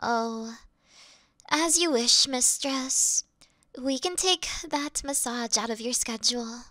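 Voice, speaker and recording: A woman voicing a flirty yandere female demon familiar who speaks to her mistress in a soft, adoring, sweetly fanatical way. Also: a little high, takes it slowly, no echo. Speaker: voice actress in audio roleplay. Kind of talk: scripted audio roleplay.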